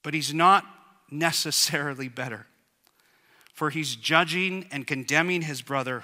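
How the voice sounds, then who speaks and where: Male preacher, earnest and measured; high, ringing tone in a reverberant church hall. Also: sharp tone. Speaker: pastor. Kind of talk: sermon.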